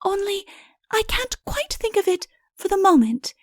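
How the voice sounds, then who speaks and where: A woman reading an audiobook, voicing a young princess in a high, breathy, flustered way. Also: sing-song, normal speed, no room sound, clean studio sound. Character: young princess, eager and anxious. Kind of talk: audiobook character voice.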